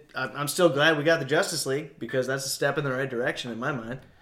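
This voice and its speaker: There's an ordinary speaking voice from a man at medium pitch. His intonation is fairly even. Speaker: podcast co-host. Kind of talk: casual chat.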